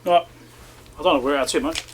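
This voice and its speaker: A man's voice: on the high side, quick pace, very noisy. A man hosting a repair video, casually talking himself through the work with chatty asides to viewers. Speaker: electronics repair channel host. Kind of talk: casual running commentary while repairing.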